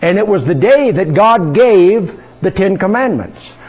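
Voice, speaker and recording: A man's voice: high voice, lively intonation, unhurried, darkish tone, breathy edge. A man preaching a sermon, reading scripture aloud and asking his congregation questions.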